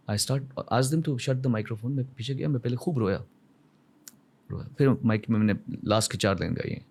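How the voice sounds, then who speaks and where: A man's voice: mid-range voice, darkish tone. A man in his forties from India, speaking as a podcast guest. He tells reflective, emotional stories and mixes English phrases into his speech. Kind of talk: reflective conversational storytelling.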